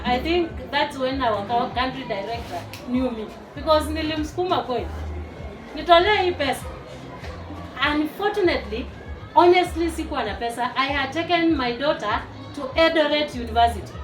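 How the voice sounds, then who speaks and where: High-voiced woman speaking in an echoey hall. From Uganda. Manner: lively, rallies the crowd to clap. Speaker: teacher and network marketer. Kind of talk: testimonial speech to a live audience. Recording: echoey hall, far from the mic, noisy.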